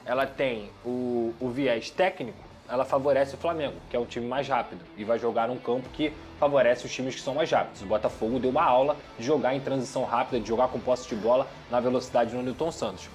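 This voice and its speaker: A man with a Brazilian Portuguese accent giving an animated, opinionated football analysis in a studio sports debate. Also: medium pitch, fast, hardly any pauses, soft background music. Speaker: sports commentator.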